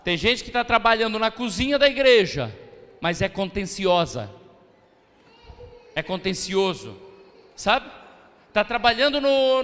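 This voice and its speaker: High, animated Brazilian pastor preaching. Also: male voice. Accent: Brazilian Portuguese. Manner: preaching with call-and-response, acting out church members' voices. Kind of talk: sermon. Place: church sanctuary, long reverb. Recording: hall reverb of a church service.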